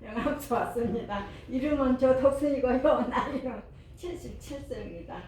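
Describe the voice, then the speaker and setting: Brief: woman acting, seventies, friendly stage auditionee, slightly high voice, strongly echoing hall. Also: moderate pace, a little mellow, lightly acted. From South Jeolla, South Korea. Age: 70s. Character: friendly elderly woman introducing herself at an audition. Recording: very echoey hall, distant mic.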